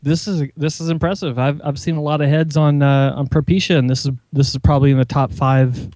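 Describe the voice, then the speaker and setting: A man's voice: fairly high pitch, level tone, fairly quick, mellow, dry recording. A man co-hosting a talk show, speaking matter-of-factly and often repeating his opening words. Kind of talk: casual radio show chat.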